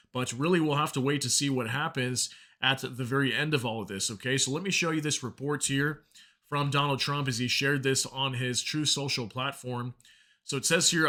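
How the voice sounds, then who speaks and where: A man's voice: medium pitch, bright, forceful tone. A man hosting an informal news commentary, explaining reports and reading out statements in a conversational way. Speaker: news commentary channel host.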